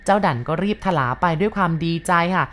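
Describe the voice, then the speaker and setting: A woman storyteller recounts a ghost story in a lowish voice. She is polite and speaks straight to her listeners. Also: fast. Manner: polite, addresses listeners directly.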